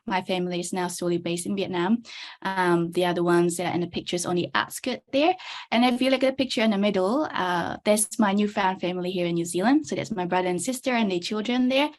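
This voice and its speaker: A young woman from the Czech Republic presenting her career story in a chatty webinar talk. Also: mid-range voice. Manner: chatty, many fillers and restarts. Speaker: webinar speaker, business analyst. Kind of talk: presenting over shared slides.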